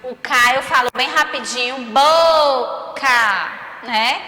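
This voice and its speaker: High-voiced Brazilian teacher, slow and echoey. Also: female voice, bright, forceful tone. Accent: Brazilian Portuguese. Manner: stretches and stresses syllables, asks many tag questions. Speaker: primary school teacher. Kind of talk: remote class lesson for children. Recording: roomy echo, long reverb.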